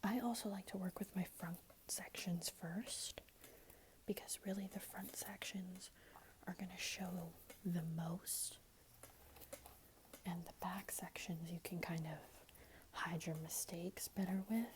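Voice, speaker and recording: A woman whispers softly through an ASMR tutorial at a slow, gentle pace. Her voice is all breath, with no voicing. There is clear background noise with small clicks around her. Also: fairly low pitch, fairly even intonation. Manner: gentle, unhurried explaining. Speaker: ASMR creator giving a wig styling tutorial. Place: small room at home, indoors.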